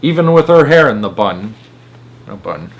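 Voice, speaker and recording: A man's voice: fairly low pitch, sing-song, normal speed, highs cut off. A man narrating a children's storybook aloud in an informal read-aloud style.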